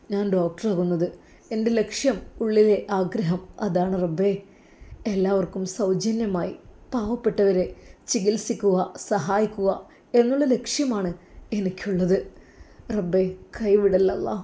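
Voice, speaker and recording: A woman's voice: medium pitch, warm tone, natural voice. A woman voicing a grieving but resolute young Muslim woman in a spoken story, earnest and pleading. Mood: grieving prayer. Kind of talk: storybook voice acting.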